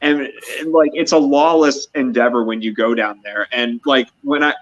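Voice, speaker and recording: A man's voice: medium pitch, moderate pace, dull audio. An American man in casual chat, blunt and profane, often restarting his sentences. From United States. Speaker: guest.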